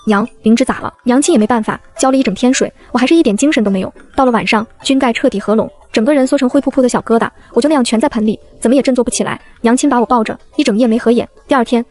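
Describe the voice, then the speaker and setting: A woman narrating a story in the first person, in a gentle storytelling manner. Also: on the high side, racing, few pauses.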